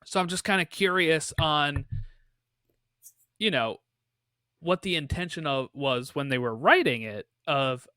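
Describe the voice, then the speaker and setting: Bright-voiced man musing on film. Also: a little high, a little slow, pauses often, no echo, studio quality. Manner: thoughtful, musing, with rhetorical questions. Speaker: podcast co-host. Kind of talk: casual film discussion.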